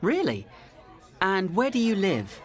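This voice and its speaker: A friendly adult man, as a man puts him on, asking questions slowly and clearly. His pitch rises and falls very widely, and each question drops at the end. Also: huge pitch swings, a faint crowd, full character voice. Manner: slow, clear questions with falling intonation.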